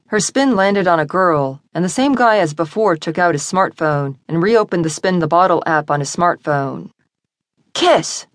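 Low-voiced woman reading an audiobook. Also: no echo. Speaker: audiobook narrator. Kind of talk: first-person audiobook narration.

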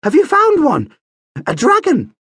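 A man voicing an excitable teenage boy prince who chatters eagerly in a raised, bouncy voice. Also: medium pitch, unhurried, husky, no room sound, studio quality, pitched above the performer's own voice.

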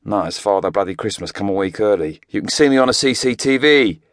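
A man's voice: medium pitch, lively intonation, a little fast, no room sound, clean studio sound, pitched above the performer's own voice, lightly acted. A man voicing a skinny, tetchy Welsh teenage boy with a cheeky, teasing manner.

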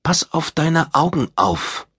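A man voicing a calm, guarded young woman who speaks in a soft, hushed murmur. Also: on the high side, takes it slowly, husky, no room sound, voice pushed up, heavily acted. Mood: hushed urging.

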